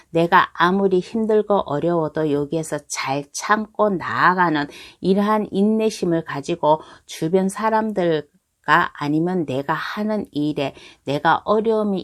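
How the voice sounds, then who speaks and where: A woman with a low voice reads tarot cards for her viewers. She speaks in a calm, reassuring way, repeating her phrases and trailing off with gentle guesses. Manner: slow, reassuring, repeats phrases and hedging endings. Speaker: tarot reader. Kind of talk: tarot card reading for viewers.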